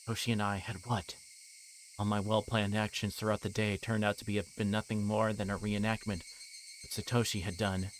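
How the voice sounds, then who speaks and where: Low-voiced man livestreaming over background noise. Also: flat delivery, rough recording. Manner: hesitant, halting when chatting. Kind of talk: visual novel read-aloud with casual asides to viewers.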